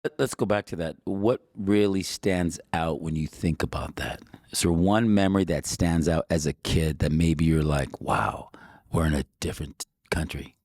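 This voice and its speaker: Deep-voiced, encouraging podcast host. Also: male voice, normal speed, darkish tone, no echo, clean studio sound. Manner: encouraging, prompting questions. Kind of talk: casual interview.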